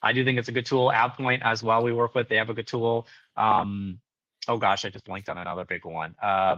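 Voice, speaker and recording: This man talks at a very fast pace, with a medium pitch and ordinary pitch variation. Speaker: technology consultant presenting a webinar. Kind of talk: webinar Q&A. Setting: online webinar.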